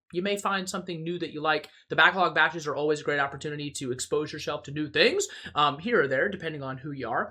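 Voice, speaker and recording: Over a quiet background, a man talks very fast in a fairly high pitch with ordinary pitch variation. His tone is bright and sharp. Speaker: music reaction youtuber. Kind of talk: casual video commentary.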